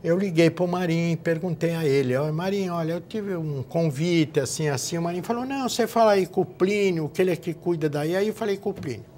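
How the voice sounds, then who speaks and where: An older man from São Paulo, Brazil, a former state legislator appearing as a guest, reminisces in an interview. He speaks haltingly and repeats words as he recalls. His voice is a little high and a little mellow, with a little hiss or hum on the recording.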